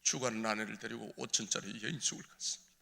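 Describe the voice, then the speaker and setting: A man giving an impassioned, tearful testimony as a church elder, swinging between hushed and crying out. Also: lowish voice, fairly even intonation, quick pace, creaky. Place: church sanctuary. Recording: reverberant church hall.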